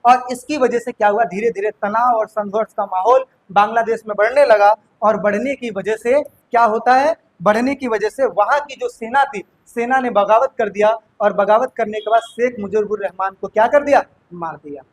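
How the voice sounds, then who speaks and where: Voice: medium pitch, moderate pace, few pauses, poor audio. Teacher on a study channel, keeps asking "what happened?" and answering it, says everything twice. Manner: asks rhetorical questions and answers them; repeats points to drive them home. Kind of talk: classroom lecture explaining history.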